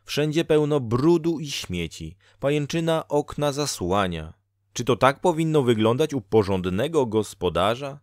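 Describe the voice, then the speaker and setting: A man's voice: mid-range voice, expressive, measured pace, no room sound, studio quality, pitched above the performer's own voice, natural voice. A man voicing Dola, a female spirit of fate who scolds a lazy farmer in a storybook reading, with lecturing, reproachful delivery. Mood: scolding.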